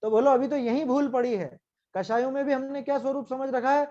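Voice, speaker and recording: A man's voice: very high voice, fairly even intonation, a little fast, a little mellow, lo-fi sound. A man giving a Hindi scripture lecture, conversational, full of rhetorical questions and acted-out quotes. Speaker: Jain scripture teacher.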